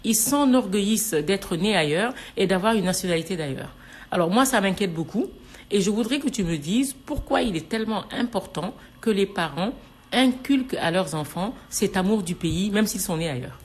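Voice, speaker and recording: A woman's voice: mid-range voice, lively intonation, normal speed. A woman from Senegal hosting a radio talk show, asking questions with many hesitations and restarts.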